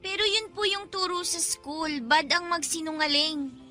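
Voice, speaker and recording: A woman's voice: extremely high pitch, measured pace, bright, forceful tone, soft background music, heavily acted. A woman playing an innocent, hungry young schoolgirl in a Filipino radio drama, speaking politely and full of childlike questions. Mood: innocent, curious. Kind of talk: Tagalog radio drama acting.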